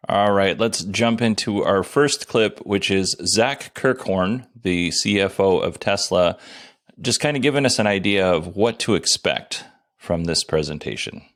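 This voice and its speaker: Deep-voiced self-deprecating podcast host man. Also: measured pace. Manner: self-deprecating, says he has a monotone voice. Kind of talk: casual solo podcast commentary.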